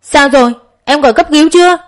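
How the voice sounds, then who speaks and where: A woman voicing a hot-tempered, violent man who shouts and gives harsh orders. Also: high voice, quick pace, pitched above the performer's own voice, natural voice. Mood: angry, shouting.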